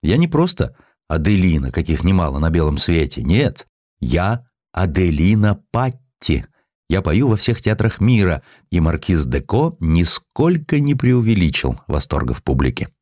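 A man's voice: low-pitched, very animated, unhurried, darkish tone, dry recording, studio quality, exaggerated voice. Man acting effusive grand opera diva, swooping intonation. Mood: proud, fervent. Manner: effusive, emphatic. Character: rapturous world-famous female opera singer, grateful and grand.

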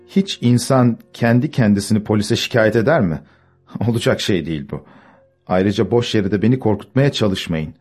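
A quiet, self-assured old manservant answers with cool scorn, as a man reading an audiobook voices him. His voice sits low, over faint music. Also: moderate pace, husky. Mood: scornful. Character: calm, mocking older male servant.

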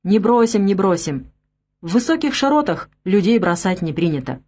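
Woman reading as a hoarse old sea captain. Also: high voice, very animated, normal speed, darkish tone. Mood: wry. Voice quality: hoarse, rasping. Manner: curt, commanding. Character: gruff hoarse older male Arctic sea captain.

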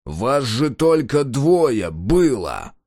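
A man voicing a gruff, menacing gang leader in an audiobook, slow and threatening. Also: fairly low pitch, big pitch swings, darkish tone, dry recording, studio quality.

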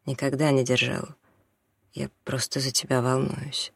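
A reader voicing a patient husband who speaks softly and low, holding back hurt. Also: a little slow, vocal fry, breathy edge, no echo, heavily acted. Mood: hurt quiet. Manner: soft, low, restrained, calming. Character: quiet patient middle-aged husband and father.

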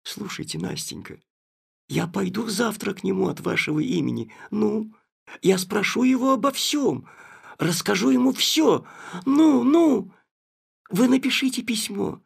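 A man's voice: sits high, sing-song, measured pace. A man with a Russian accent narrating a classic novel in the first person and delivering the hero's lines with fervent feeling. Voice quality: gravelly, husky. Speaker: audiobook narrator. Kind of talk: literary first-person narration with impassioned dialogue.

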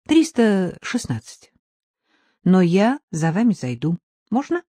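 A woman voicing a polite, formal middle-aged gentleman in an audiobook. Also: medium pitch, sing-song, takes it slowly, no echo, clean studio sound. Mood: courteous.

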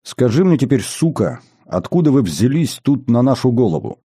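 A man's voice: mid-range voice, sing-song, normal speed, mellow, no echo, studio quality. A man voicing a stern, threatening male partisan commander who interrogates a prisoner. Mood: menacing. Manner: gruff, interrogating.

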